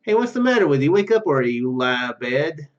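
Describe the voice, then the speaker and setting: A man's voice: fairly high pitch, sing-song, fairly quick, recorded from a distance, muffled recording. A man voicing a grumpy, impatient woman companion from a fantasy game, scolding and huffy.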